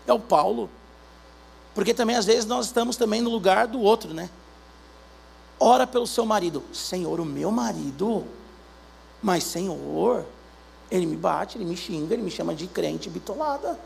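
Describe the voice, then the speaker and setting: A Brazilian pastor preaching a sermon, acting out little dialogues between God and believers in an animated way. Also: male voice, sits high, moderate pace, creaky, long pauses, a little hiss or hum. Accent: Brazilian Portuguese.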